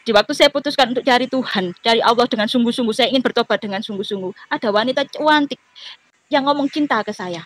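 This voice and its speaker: A woman's voice: fairly high pitch, fast talker. A woman with a Javanese accent giving a personal testimony on a video call, telling her story in a chatty way with many fillers.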